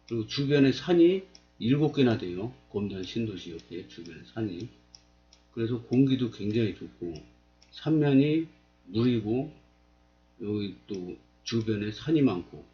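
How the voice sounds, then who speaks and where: A man's voice: medium pitch, lo-fi sound. Plain-spoken man in his fifties. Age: 50s. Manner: plain, steady, asks rhetorical questions. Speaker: video blogger. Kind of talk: explaining while pointing at a map.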